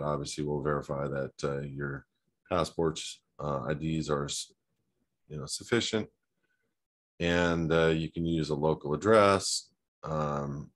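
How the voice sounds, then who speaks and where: Casting note: male host, extremely low voice, relaxed off-the-cuff advice, lots of ums and restarts. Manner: loose and conversational, many fillers and restarts. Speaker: host answering a viewer question. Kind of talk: casual advice talk, reading a question aloud then answering.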